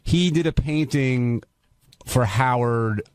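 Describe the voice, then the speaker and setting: A man's voice: medium pitch, slow, darkish tone, a little hiss or hum. A man hosting an unscripted radio recap, talking through events and putting pointed questions to his guests. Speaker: radio show host. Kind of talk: unscripted panel recap talk.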